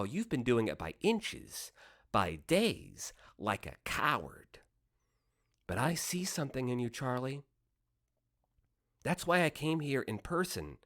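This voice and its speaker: A man's voice: fairly high pitch, a bit bright. Man playing a sly, theatrical devilish deal maker. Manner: persuasive, sardonic, mock-folksy speechifying. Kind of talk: radio play acting.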